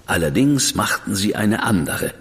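An actor playing a reserved, measured investigator in a radio drama. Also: male voice, lowish voice, expressive, a bit bright. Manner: measured, dry, withholding. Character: cool, reserved male investigator, brother of a famous detective. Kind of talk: German radio drama acting. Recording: long reverb with music behind.

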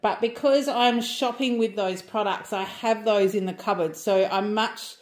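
A woman's voice: mid-range voice, fairly even intonation, measured pace, reverberant. A middle-aged Australian woman chatting casually through a grocery haul, rambling with lots of ums. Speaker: vlogger.

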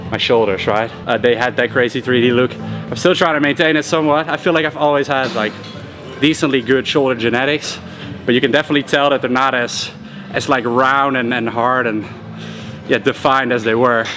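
A man talking casually while training in a gym, loose and relaxed, with lots of "like" and "you know", a little out of breath. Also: medium pitch, a little fast. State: slightly out of breath. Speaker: fitness vlogger. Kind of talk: casual talk to camera. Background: music.

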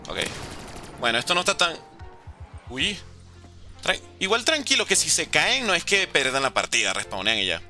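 A young man doing animated gameplay commentary, talking straight to his viewers. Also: on the high side, moderate pace, long pauses. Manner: animated, excitable, talks to viewers. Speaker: gaming YouTuber. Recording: game music behind voice.

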